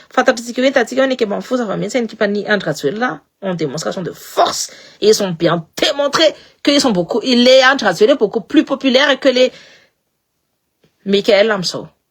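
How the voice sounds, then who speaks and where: A woman with a slight Malagasy accent speaks at a fairly high pitch, with an animated tone and lively intonation. Her pace is moderate, broken by long, frequent pauses. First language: Malagasy (speaking French). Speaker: political commentator. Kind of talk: political commentary livestream.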